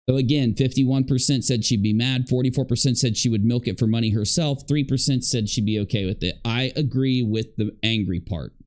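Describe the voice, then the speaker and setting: A man's voice: on the low side, a little mellow. A man hosting a casual reaction stream, talking straight to his audience and posing hypothetical questions. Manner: talks directly to viewers, posing hypothetical questions. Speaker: commentary livestream host.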